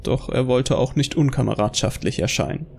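A man's voice: mid-range voice, moderate pace, creaky, a little mellow, a little hiss or hum. A man reading scripted narration for an audio drama.

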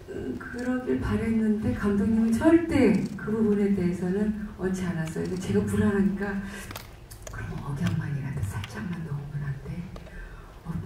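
A woman's voice: mid-range voice, slight background noise. A middle-aged actress answering questions at a press conference on stage, chatty and acting out her own past remarks. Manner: chatty, quotes herself in lively asides. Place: large event hall stage, seated. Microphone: handheld mic. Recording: echoey hall, mic picked up from a distance.

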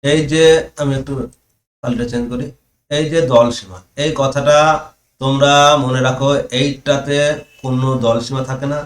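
A man teaching an online grammar class, dictating definitions word by word and leaning on the key terms. His voice sits at a middling pitch. The room around him rings with echo. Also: little pitch movement. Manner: slow, stressed dictation of definitions. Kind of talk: online lesson. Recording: echoey room.

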